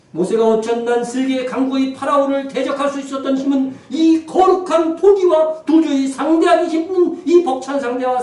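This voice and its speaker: Male pastor, high voice, forceful sermon, heavy reverb of a large sanctuary. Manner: emphatic exhortation that swells to loud appeals. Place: church sanctuary. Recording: echoey church hall from far off.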